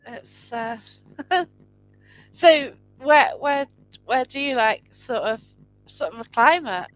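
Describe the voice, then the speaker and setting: A woman hosting a casual live chat, gushing and quick to praise her guests. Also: sits high, lively intonation, fairly bright tone, low-quality recording. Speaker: host.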